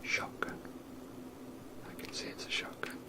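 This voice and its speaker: Someone plays a video game while whispering casual, rambling ASMR commentary. The voice is breathy and unvoiced, and the pace is measured.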